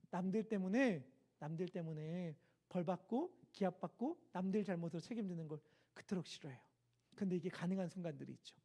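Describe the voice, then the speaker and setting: High-voiced male pastor preaching. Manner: animated storytelling, acting out quoted voices. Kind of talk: sermon. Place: church sanctuary.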